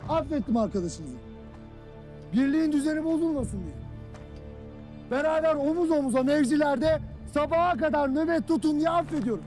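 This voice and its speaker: A man playing a harsh, high-voiced army commander. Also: fairly quick, soft background music. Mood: cold threat. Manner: harsh, bitter lecturing that swings into barked shouting. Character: stern male army commander berating his soldiers. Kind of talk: amateur film-scene reenactment.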